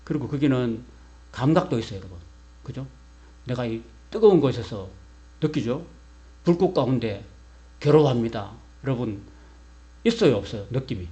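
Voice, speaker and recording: Korean pastor preaching over a low hum. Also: male voice, lively intonation, normal speed, long pauses, mellow. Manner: asks the congregation questions and answers them himself; leads a call-and-response with the congregation. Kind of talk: sermon.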